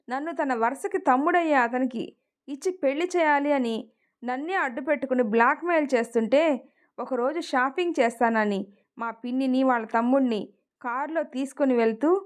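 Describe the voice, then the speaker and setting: A woman's voice: high voice, lightly acted. Woman voicing a stubborn grieving young heroine. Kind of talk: emotional story narration.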